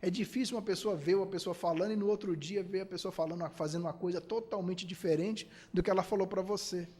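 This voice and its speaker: A man's voice: high-pitched, steady tone, fast, darkish tone, long reverb tail. A man from Brazil giving a spiritist lecture, asking rhetorical questions and acting out quoted dialogue.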